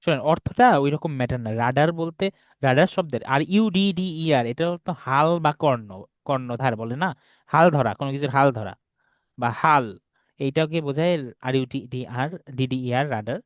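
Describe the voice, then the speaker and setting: A man's voice: medium pitch, brisk, no echo. A man teaching an English class online, explaining patiently and checking often that students follow along. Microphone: video call.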